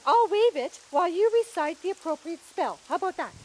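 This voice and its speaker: A woman voicing a fussy, excitable storybook monarch in a puppet show, bossy and full of exclamations. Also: very high-pitched, a little fast, poor audio. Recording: puppet show with music behind.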